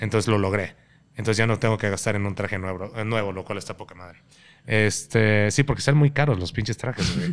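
Loudness swings widely throughout the speech. The pace is fairly quick, with ordinary pitch variation. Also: man, fairly low pitch for a man. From Tuxtla Gutiérrez, Chiapas, Mexico; Chiapas, Mexico. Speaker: content creator. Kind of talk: casual interview chat; interview answer. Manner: casual, slangy, halting. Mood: relaxed, candid storytelling. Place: studio. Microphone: studio mic.

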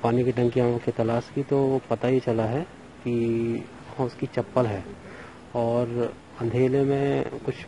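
Over light background noise, a man speaks in a flat monotone, with a dry sound and no echo. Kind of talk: press statement. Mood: calm, matter-of-fact. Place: street. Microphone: handheld.

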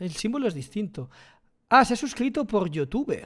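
An animated male voice against a quiet background. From Spain. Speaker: streamer. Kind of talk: reaction commentary. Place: home room. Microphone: studio mic.

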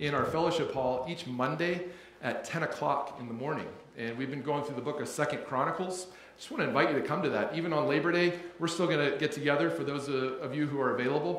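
At a very fast pace, a man talks with ordinary pitch variation amid audible room echo. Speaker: church minister giving announcements. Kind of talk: church announcements. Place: church. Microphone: camera far.

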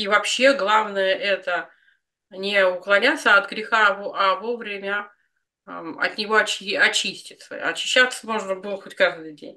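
Against a quiet background, a woman speaks at a fairly slow pace. Her pitch varies in an ordinary way, while her loudness swings widely. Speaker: spirit channeler. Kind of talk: channeling session. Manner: halting. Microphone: video call.

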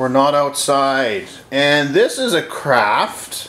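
Room echo is clearly audible around this man's speech. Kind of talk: tutorial. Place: kitchen. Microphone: phone near.

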